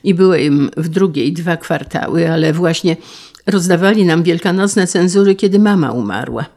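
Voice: medium pitch, moderate pace, a little mellow, lightly acted. A narrator voicing a shy orphaned schoolboy who speaks hesitantly and earnestly in an audiobook. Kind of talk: audiobook character reading.

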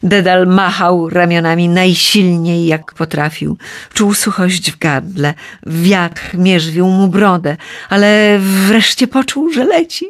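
A woman's voice: lowish voice, slow pace. A woman narrating a myth for children, reading aloud expressively. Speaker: storyteller.

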